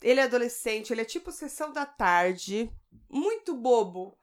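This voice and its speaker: A woman's voice: a little high, sing-song, moderate pace. A woman in her thirties with a Brazilian accent, co-hosting a podcast in a casual, joking chat and swearing freely. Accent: Brazilian Portuguese. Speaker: podcast co-host.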